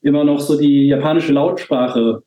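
A man's voice: on the high side, normal speed, warm tone, roomy sound, poor audio. A middle-aged man from Germany, a guest in a casual podcast chat, talking with frequent hesitations and restarts. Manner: hesitant, many fillers and restarts. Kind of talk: casual conversation.

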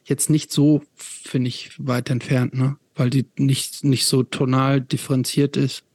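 A man's voice: mid-range voice, level tone, a little slow, a little mellow, slightly rough, no echo. Male podcast host on a dry mic. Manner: conversational, asks follow-up questions. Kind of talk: casual conversation.

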